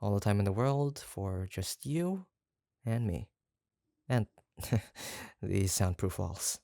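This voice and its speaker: An obsessive yandere kidnapper from a roleplay audio drama, acted by a voice performer, speaking slowly in a creaky, fry-laden voice. The delivery is doting and possessive, yet awkward and hesitant, rambling along in a close, dry recording. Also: low-pitched, lively intonation, no room sound, heavily acted. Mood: smitten, possessive. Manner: hesitant, rambling, soft-spoken menace with nervous chuckles.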